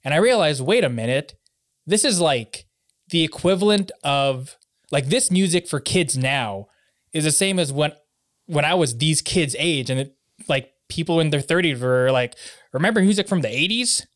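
A man's voice: fairly high pitch, lively intonation, moderate pace, a bit bright, no room sound, clean studio sound. A man in his late twenties chatting casually and telling joking anecdotes among friends.

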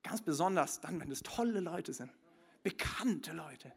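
Young guy preaching, high voice, goes quiet and chatty then loud and punchy, lots of ums. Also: lively intonation, measured pace, creaky, breathy edge. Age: young adult. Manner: shifts between soft confiding asides and loud emphatic preaching; many fillers and restarts. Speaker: pastor. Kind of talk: sermon.

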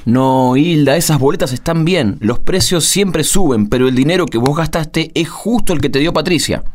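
An actor playing a touchy carpenter in a radio play, with a Rioplatense Spanish accent. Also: male voice, on the high side, moderate pace, lightly acted. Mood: explaining. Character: male carpenter in a neighbourhood work group, touchy. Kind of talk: radio play acting, conversational.

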